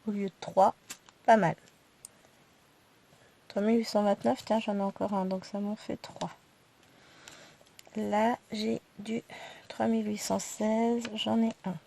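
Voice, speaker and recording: A woman with a stuffy nose, casually counting her thread skeins aloud in slow, quiet numbers and chatting in asides. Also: mid-range voice, flat delivery, creaky, slight background noise. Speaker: cross-stitch YouTuber.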